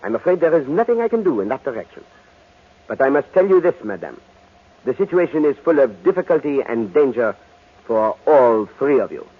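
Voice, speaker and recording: An actor playing a shrewd, courteous foreign detective with a French accent in an old-time radio drama, speaking formally and probingly. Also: male voice, mid-range voice, big pitch swings, a little hiss or hum, lightly acted. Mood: grave, firm. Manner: formal, measured, gently probing. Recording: tinny, band-limited old radio recording.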